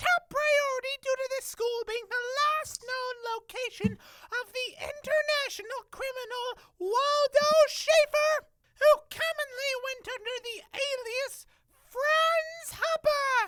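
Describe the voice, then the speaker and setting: This put-on character voice is squeaky and extremely high-pitched, moving at a fairly slow pace. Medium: audio drama. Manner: deadpan.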